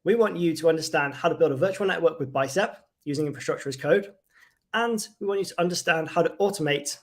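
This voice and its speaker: Upbeat man presenting a tech livestream. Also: on the high side. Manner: enthusiastic, lots of "wonderful" and "fantastic". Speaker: cloud advocate presenting a livestream.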